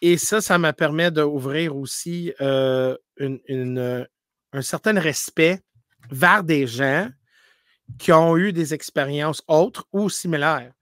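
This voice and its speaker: A man who grew up speaking English, talking in as a paranormal streamer in a casual interview, telling animated stories full of restarts and English words. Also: fairly high pitch, takes it slowly, no room sound, clean studio sound. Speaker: paranormal live streamer, guest.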